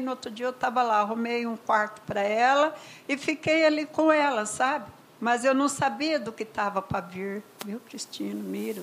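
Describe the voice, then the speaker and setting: An older woman with a Brazilian accent, telling a personal story as a mother in an emotional, conversational way, often trailing off softly. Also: fairly high pitch, rough recording. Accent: Brazilian Portuguese. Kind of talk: personal testimony.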